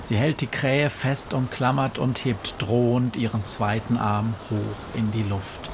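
A man's voice: mid-range voice, little pitch movement, creaky. Man narrating a story with background noise. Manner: measured, solemn, slows on dramatic lines.

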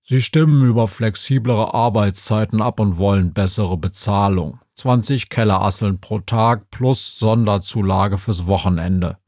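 A grumbling, worn-out male creature stuck in an itchy monster suit, voiced by a male audiobook reader. The voice is gravelly and husky. It sits close to the reader's own low register, recorded dry. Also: a little slow, few pauses, darkish tone, dry recording. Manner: grumbling, then pleading. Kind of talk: audiobook character voice.

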